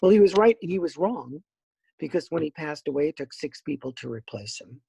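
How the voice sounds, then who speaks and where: Raspy middle-aged man, high and gravelly. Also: brisk, no echo, low-quality recording. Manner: animated, rambling with many fillers. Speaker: voice actor guest. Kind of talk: casual podcast interview.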